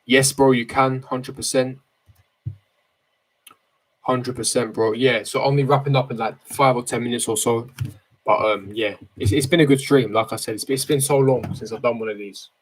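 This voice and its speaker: Late-teen male, medium pitch, casual streamer chat, slangy, opinionated, repetitive emphasis, close desk mic. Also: fairly even intonation, normal speed, poor audio. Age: 18, late teens. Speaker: football fan streamer. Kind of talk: casual livestream chat, reading and answering viewer comments. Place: small bedroom, indoors. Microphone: desk microphone close in front.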